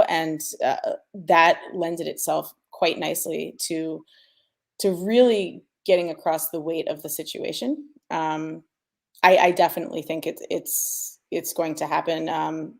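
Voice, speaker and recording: A woman with a fairly low voice and a heavy creak in it. She speaks casually and informally, like a sound designer on a panel who enjoys talking through the work. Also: a little mellow. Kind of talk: casual conference panel talk.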